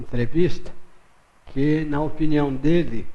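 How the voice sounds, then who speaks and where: Audible room echo surrounds a man's voice. His pitch is fairly high and his intonation fairly even. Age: 70s. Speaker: TV show host, interviewer. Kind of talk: TV interview.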